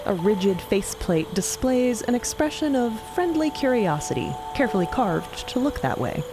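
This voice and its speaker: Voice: medium pitch, big pitch swings, moderate pace, noisy background. A narrator telling a scripted story theatrically, with conversational, wry asides.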